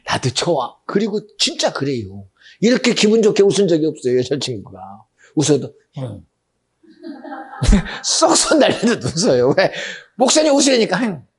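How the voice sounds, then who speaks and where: A man preaching a sermon as pastor, swinging between loud exclamations and hushed, almost whispered asides. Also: high-pitched, big pitch swings, moderate pace, breathy edge.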